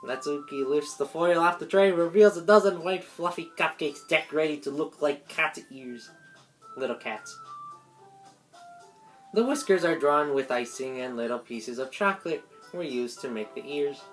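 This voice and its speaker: A woman narrating a visual novel, reading the story text aloud in a halting way with some stumbles. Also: low voice, poor audio. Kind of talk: live dramatic reading of game text. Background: game music.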